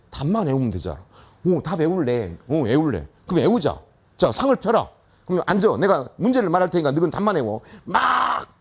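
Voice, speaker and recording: Husky, animated older man telling a story. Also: on the high side. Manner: animated, acts out quoted voices, laughs often. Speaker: school principal giving a lecture. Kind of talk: storytelling lecture.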